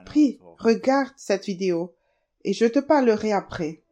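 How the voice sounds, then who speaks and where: A woman reading a French voice-over translation of a Christian testimony video in a steady, even way. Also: medium pitch, unhurried.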